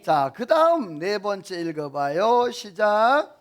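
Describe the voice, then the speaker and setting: A man's voice: high voice, very animated, slow pace, a bit bright. A senior pastor preaching a sermon, quizzing his congregation with questions they answer back. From South Korea.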